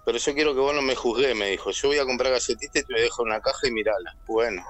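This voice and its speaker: Argentine male caller, animated storyteller, mid pitch, faint music under. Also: rapid-fire. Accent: Argentine Spanish. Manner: animated storyteller, acts out quoted voices. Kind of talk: telling a personal story on air.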